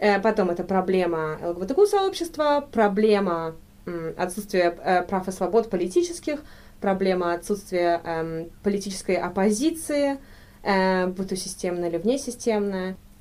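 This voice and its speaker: A woman speaks at a fairly slow pace with medium pitch and ordinary pitch variation. She has an unremarkable speaking voice. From Saint Petersburg, Russia. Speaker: activist. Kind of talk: interview.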